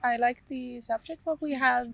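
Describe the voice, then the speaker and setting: A woman's voice: high voice, fairly even intonation, normal speed, creaky, dry recording. A young woman from Finland speaking English as a second language, cheerful and giggly. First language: Finnish. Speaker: interview guest. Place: outdoors in the shade.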